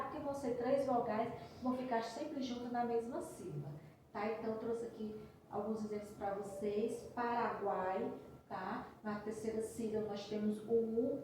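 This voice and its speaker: A woman's voice: a little high, mellow, a little hiss or hum. Woman teacher with a distant echoey sound. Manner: patient and explanatory, with frequent checking tags. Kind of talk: recorded class review lesson. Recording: roomy echo from a distance.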